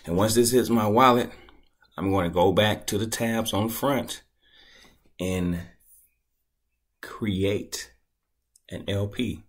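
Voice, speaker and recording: A man casually talking through a screen-recorded tutorial at his computer, laid-back and thinking out loud as he goes. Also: fairly low pitch, slow pace, long pauses. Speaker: crypto tutorial creator.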